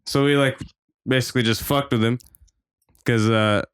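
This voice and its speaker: A man's voice: medium pitch, fairly even intonation, moderate pace, smooth. A young man, a podcast guest, telling stories in hyped, profane casual chat.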